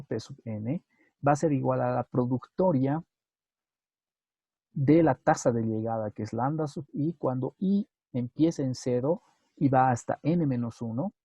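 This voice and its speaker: Gravelly-voiced man lecturing in a dry room. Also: mid-range voice, dark tone, dry recording. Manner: methodical, repeats points and checks with tag questions; self-correcting, with hesitations. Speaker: university lecturer. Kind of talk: recorded online lecture on queueing theory.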